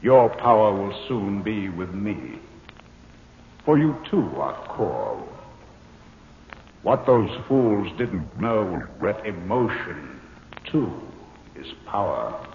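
A man's voice: lowish voice, big pitch swings, slow pace, pauses often, a little mellow, lo-fi sound, full character voice. An actor playing a centuries-old alien man, stern yet tender, in a grave, declamatory 1950s radio drama style. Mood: tender, solemn. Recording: hissy band-limited 1950s radio with reverb.

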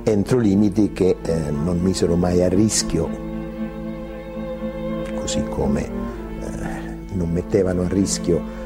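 A man speaking as a historian in an interview, with halting, convoluted phrasing. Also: deep voice. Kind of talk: spoken historical commentary. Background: music.

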